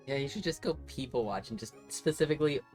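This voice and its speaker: A man's voice: medium pitch, lively intonation, quick pace, darkish tone. Playful guy cracking jokes on stream, faint music in the back. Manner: joking, teasing, playful. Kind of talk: casual chat while gaming.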